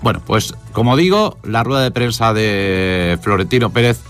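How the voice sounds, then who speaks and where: A radio host with an accent from Spain, commenting on the news informally in a halting, wry way with pauses for emphasis. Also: male voice, fairly low pitch, fairly bright tone, faint music behind. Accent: Spanish from Spain.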